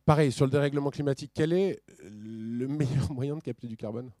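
A man speaking at a conference, talking over his slides in a loose, lively way, often restarting his sentences. His voice is warm and mellow, recorded close and dry with almost no room sound. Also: medium pitch, a little fast, dry recording. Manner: lively, many restarts and fillers.

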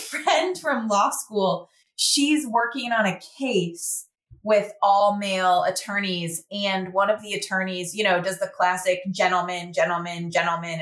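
A woman's voice: mid-range voice, fairly bright tone. A woman lawyer sharing a story from law school on a podcast, amused and laughing as she tells it. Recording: roomy, echoey mic.

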